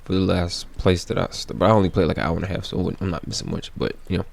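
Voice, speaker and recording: Male let's-play host, casual chatty delivery, low pitch with vocal fry. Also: fairly even intonation, fast. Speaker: gaming video host.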